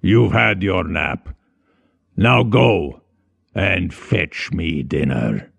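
A man voicing a towering ancient male serpent god, speaking calmly with quiet menace in an audiobook. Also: gravelly, husky, exaggerated voice. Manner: calm, rumbling, drawn-out. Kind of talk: audiobook character voice.

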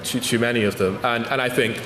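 A man's voice: medium pitch, fairly even intonation, fast, fairly bright tone. A man, the guest author, giving a thoughtful public talk with frequent restarts and ums. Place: lecture hall. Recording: echoey hall with faint noise.

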